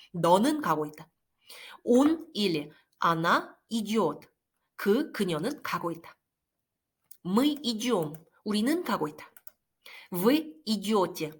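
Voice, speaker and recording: A woman teaches a language lesson with patient, step-by-step explanations, checking in with her listeners again and again. Her voice moves up and down a lot, with a mid pitch for a woman. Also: a bit bright. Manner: patient, checks in often with rhetorical questions. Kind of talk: online grammar lesson.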